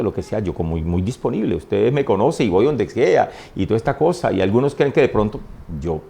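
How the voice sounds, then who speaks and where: A man, a priest and invited guest, telling personal stories in an animated, conversational way, often laughing and acting out his mother's words. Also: on the low side, vocal fry. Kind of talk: conversational storytelling.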